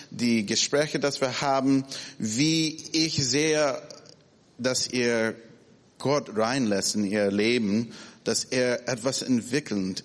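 Man in his forties, non-native speaker, slow halting delivery, long hall reverb. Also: mid-range voice. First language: not German. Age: 40s. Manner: halting, searching for words, many restarts. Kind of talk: informal church talk. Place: church hall.

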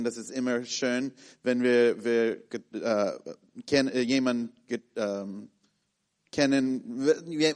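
A man in his thirties with an American accent, preaching in a halting way with many fillers and restarts as he searches for words. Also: medium pitch, darkish tone. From born in Malaysia, raised in the USA and the Philippines. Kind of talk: sermon with personal story.

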